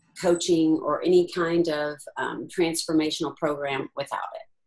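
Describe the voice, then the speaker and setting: A woman speaks at a fairly slow pace and a fairly low pitch in a Texan accent. Her intonation is monotone and flat. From Texas. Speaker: intuitive success coach. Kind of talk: webinar presentation.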